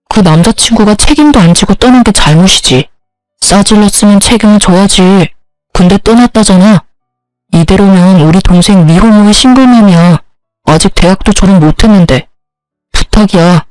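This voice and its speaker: A woman's voice: medium pitch, a little mellow, no room sound, lightly acted, poor audio. A woman voicing a husband who defends his younger sister against his wife, in a storybook reading. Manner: pleading then defensive.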